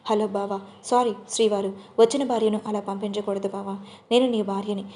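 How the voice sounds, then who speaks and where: A woman's voice: mid-range voice, level tone, a little fast, mellow, lightly acted. A woman reading the lines of a hurt but determined young bride who pleads earnestly with her groom. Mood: pleading, hurt.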